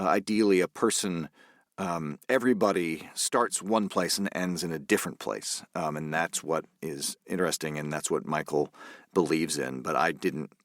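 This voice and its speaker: A man speaking as an interviewed voice actor, chatting reflectively in a halting, thoughtful way. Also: a bass voice, no echo, clean studio sound.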